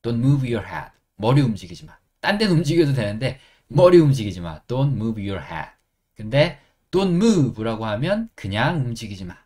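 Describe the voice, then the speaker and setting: A middle-aged man with a Korean accent, teaching an English lesson and repeating phrases slowly, step by step. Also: mid-range voice, very animated, a little mellow.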